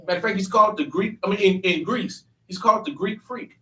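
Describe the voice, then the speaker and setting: Man host of a church panel, emphatic and earnest, a touch high, echoey and off-mic. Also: quick pace, pushed and bright. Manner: earnest, emphatic, often restarting sentences. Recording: echoey room, mic at a distance.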